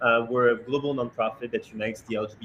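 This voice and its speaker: Someone talks at a very fast pace in a French accent over noticeable background noise. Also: man. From France. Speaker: nonprofit program director, panelist. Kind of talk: panel discussion introduction.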